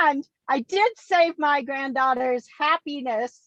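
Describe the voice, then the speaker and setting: A woman's voice: sits high, fairly bright tone, dry recording. A sixty-year-old woman, an enthusiastic, giggly interview guest chatting casually from inside a car on a remote call. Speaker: interview guest, kindergarten teacher. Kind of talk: casual, animated chat. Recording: dull, close, lo-fi call audio.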